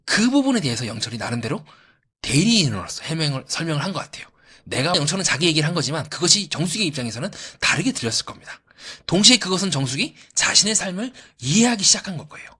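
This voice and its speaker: Brief: male commentator, quick delivery, lively swinging pitch, posing and answering his own questions. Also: slightly rough. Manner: asks rhetorical questions and answers them; lively, acts out quoted voices. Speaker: YouTube psychoanalysis commentator. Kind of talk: analytical commentary on a reality show.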